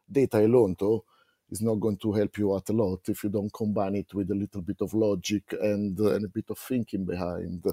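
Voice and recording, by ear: On a very clean recording with a silent background and a dry, close sound with no echo, a man speaks at a fairly quick pace in a monotone, flat intonation.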